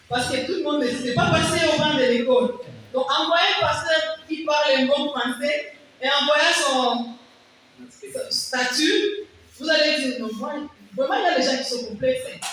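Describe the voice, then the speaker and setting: A woman whose first language is Kiwari defends her thesis, her very high voice explaining earnestly and restarting phrases as she searches for words. She is picked up from a distance in a large hall with heavy echo and a faint hiss beneath. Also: a bit bright. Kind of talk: answering examiners' questions. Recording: echoey hall, distant mic, faint noise.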